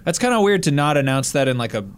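A man's voice: on the high side, sing-song, fast, clear, resonant tone. A man in casual, jokey conversation as a panelist on a video game podcast. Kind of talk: casual chat about video games.

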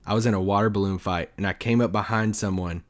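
A man co-hosting in casual sports podcast banter, his voice hoarse and giving out because he is sick. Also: fairly low pitch, fairly even intonation, quick pace. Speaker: podcast co-host.

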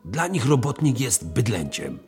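An actor playing a stern, embittered socialist miner in a radio play, preaching emphatically. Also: male voice, medium pitch, big pitch swings, measured pace, a little mellow, soft background music. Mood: bitter, solemn.

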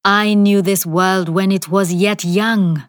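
A woman voicing an ancient, nameless male spirit, slow and menacing, in an audio story. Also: medium pitch, steady tone, no room sound, clean studio sound, lightly acted. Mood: raging. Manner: whispering, roaring, menacing.

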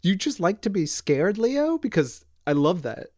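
A man's voice: high-pitched, sing-song, unhurried, darkish tone, no echo, clean studio sound. A man co-hosting a podcast, reading listener messages and chatting in an enthusiastic, conversational way. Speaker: podcast co-host. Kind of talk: casual chat and reading listener mail.

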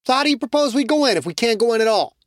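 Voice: mid-range voice, animated, very fast, no echo, voice pushed up, close to an everyday voice. A narrator voicing an impatient young student who needles others with sarcasm, in a dry, close recording. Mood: mocking.

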